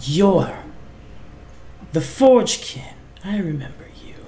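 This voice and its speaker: A man's put-on character voice, high-pitched and at a fairly slow pace, over clear background noise. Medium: actual play. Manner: curt, commanding.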